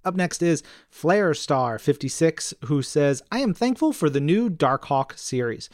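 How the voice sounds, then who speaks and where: A man's voice: on the high side, animated, a little slow, no echo, clean studio sound. A man co-hosting a podcast, chatting informally and enthusiastically and reading out listener mail. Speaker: podcast co-host.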